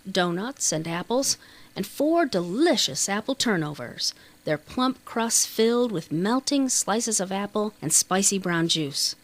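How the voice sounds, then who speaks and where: A woman narrates a children's novel in a mid-range voice. Her delivery is scripted and measured, with the expressive shaping of an audiobook storyteller. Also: medium pitch.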